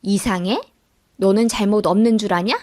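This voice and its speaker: A woman's voice: medium pitch, steady tone, normal speed, darkish tone, close to an everyday voice. A woman voicing a grudging older mother-in-law in a radio-drama story, with curt, dismissive retorts. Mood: bitter.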